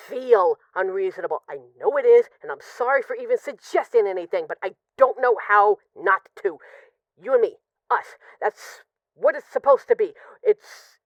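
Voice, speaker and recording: A woman's voice: fairly high pitch, no echo, muffled recording, close to an everyday voice. A woman playing a possessive, lovesick mafia boss in an intimate, conversational audio roleplay of voicemails. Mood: hurt, pleading. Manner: conversational, teasing, halting when emotional.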